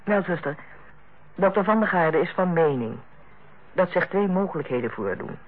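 On an old, muffled, band-limited radio recording, an actress in a Dutch radio drama plays a female hospital director who is authoritative yet kindly. Her lowish voice is animated but measured, formal and persuasive. The mood is earnest and careful.

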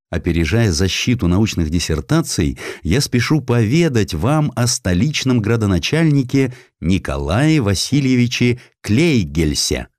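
A man reads literary historical satire as an audiobook narrator. His voice sits low and moves in lively swings, with an ironic, theatrical edge. The sound is dry and close. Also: no room sound.

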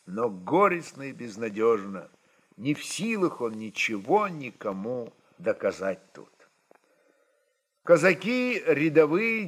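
A man giving a dramatic literary narration of a historical story in an expressive, measured way. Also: fairly high pitch, slightly rough.

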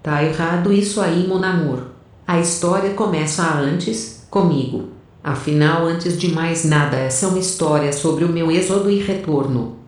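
A woman's voice: low-pitched, normal speed, darkish tone, natural voice. Woman playing a haughty young soldier, very echoey. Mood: haughty, theatrical. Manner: theatrical, haughty. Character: young, impetuous, foul-mouthed female soldier, dramatic AI first mate. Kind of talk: audio drama acting and narration. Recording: roomy, distant, music underneath.

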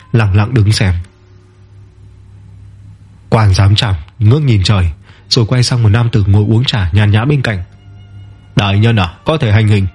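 A man narrating a fantasy story in a steady, measured way. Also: fairly low pitch, husky.

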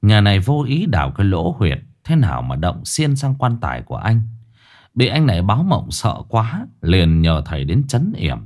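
A man narrating a folksy ghost story in a lively way. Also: on the low side, moderate pace.

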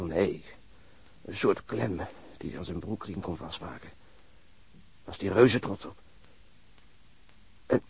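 An actor playing a wounded policeman in a radio drama, speaking halting in strained, broken phrases with a husky, breathy voice. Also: deep voice, heavily acted. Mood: pained, indignant. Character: wounded policeman recounting being stabbed, shaken but admiring.

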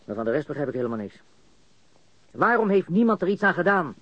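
An actor playing a baffled, cocky and coarse murder suspect in a radio crime drama, stammering and repeating words. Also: male voice, a little high, sing-song, fast talker, no room sound. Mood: bewildered, exasperated. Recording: dull, lo-fi radio recording.

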